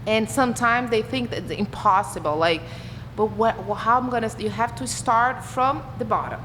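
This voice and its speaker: A woman's voice: a little high, normal speed. A young Brazilian woman with a Brazilian Portuguese accent, chatting as a guest musician in an interview, often restarting and laughing. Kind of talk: casual interview chat. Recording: echoey room with clear background noise.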